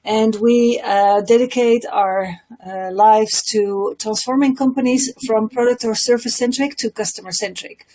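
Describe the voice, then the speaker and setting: Mellow Dutch-accented woman, hesitant phrasing. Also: a little high, fairly even intonation, a little slow, few pauses. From Netherlands. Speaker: consultant, webinar panelist. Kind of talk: professional self-introduction.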